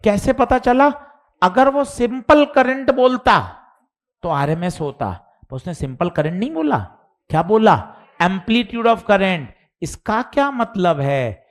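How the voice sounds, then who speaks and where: Guy teaching physics online, slow and lively, bit high voice. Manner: addresses students informally, mimics their questions; slow, deliberate explaining. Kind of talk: live online physics class.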